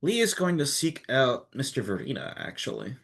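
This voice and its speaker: A man chatting casually as a player in a tabletop game, quick to joke. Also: medium pitch, big pitch swings, fairly bright tone.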